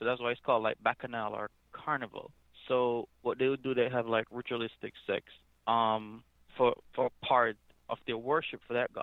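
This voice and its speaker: The speaker has a Jamaican accent and a moderate pace. The intonation stays flat and monotone. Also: man, medium pitch for a man. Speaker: caller. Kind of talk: phone-in call.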